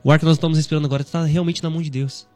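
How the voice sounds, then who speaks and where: A Brazilian man in his thirties speaks as a Christian radio host, easygoing and conversational as he shares a scripture reflection. His voice sits a touch higher than most men's, and faint music plays softly behind him. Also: steady tone, very fast. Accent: Brazilian Portuguese. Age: 30s. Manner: conversational, frequent "né" tags, gentle preaching. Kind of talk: devotional radio talk.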